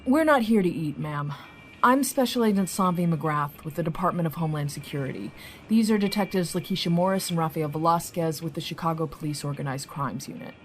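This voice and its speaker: An actress plays an authoritative female agent with a fairly low voice. She is polite but commanding and brisk, in an audio drama scene with faint ambient noise. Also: lightly acted. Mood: businesslike.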